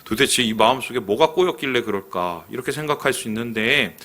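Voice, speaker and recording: A male pastor preaching a sermon in a church in a colloquial, animated way, acting out the people he quotes. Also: mid-range voice, fairly quick. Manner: leads the congregation in reading aloud. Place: church sanctuary.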